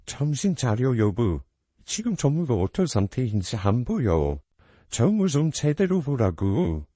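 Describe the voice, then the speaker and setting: A grieving husband in a storybook drama, voiced by a man. He speaks firmly and gently pushes his wife to face the truth, with a mellow, dry sound. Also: medium pitch, unhurried, no room sound. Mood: grave. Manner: firm, urging calm. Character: grieving husband and father, steady.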